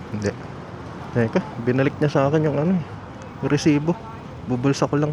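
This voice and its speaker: With long, frequent pauses, a man speaks in a fairly high pitch with ordinary pitch variation and very even loudness over noticeable background noise. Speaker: motovlogger. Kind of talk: vlog narration while riding.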